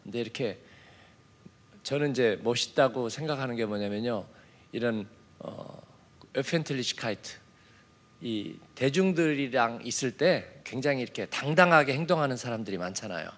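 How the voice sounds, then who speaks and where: A man preaching an early-morning sermon as a pastor in a conversational way, dotting his talk with affirming fillers and moving from soft asides to emphatic points. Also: mid-range voice, expressive, normal speed. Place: church.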